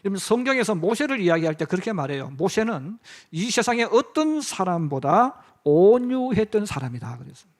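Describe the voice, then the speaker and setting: A man's voice: sits high, sing-song, moderate pace. A middle-aged male pastor preaching a sermon. He tells the story vividly, acts out quoted voices and speaks directly to the congregation.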